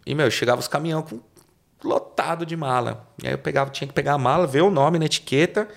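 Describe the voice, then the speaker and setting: Fast-talking gravelly Brazilian man. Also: on the high side. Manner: animated, slangy, acts out quoted dialogue. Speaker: podcast guest, car salesman. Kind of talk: casual storytelling.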